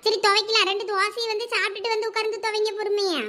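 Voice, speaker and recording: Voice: extremely high pitch, little pitch movement, racing, bright, forceful tone. A voice actor playing a patient young wife coaxing her mother-in-law in a cartoon, with a Thoothukudi Tamil accent. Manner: coaxing, persuasive. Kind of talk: cartoon voice acting.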